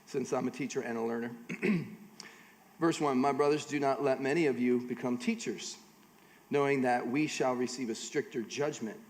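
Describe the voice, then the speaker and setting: A middle-aged American man preaching a conversational sermon at a church conference, slipping joking asides between scripture readings. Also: medium pitch. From United States. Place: large church auditorium. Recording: long hall reverb.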